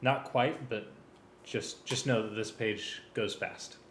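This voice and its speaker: A man's voice: mid-range voice, fairly even intonation, takes it slowly, slight background noise. A man directing a rehearsal and script read-through in casual, practical talk. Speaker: director reading all parts to cue musicians. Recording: roomy space with loud string music. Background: violin and string music being rehearsed.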